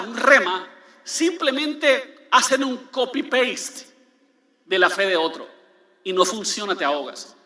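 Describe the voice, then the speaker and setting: A man preaching in a big church, his high, piercing voice ringing through an echoing hall. He leans hard on key words, repeats them, and keeps asking the congregation whether they follow. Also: sharp tone. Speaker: pastor. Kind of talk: sermon. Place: large church.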